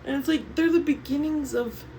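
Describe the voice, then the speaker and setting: A woman's voice: high voice, moderate pace, mellow, a little hiss or hum, low-quality recording. A woman vlogging in a casual, rambling, self-interrupting way, her speech slightly slurred and lisping from wearing retainers while she is medicated on painkillers. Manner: scattered, loose, self-interrupting, drifting between thoughts. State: medicated on painkillers after surgery. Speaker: YouTube vlogger. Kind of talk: casual rambling chat to camera.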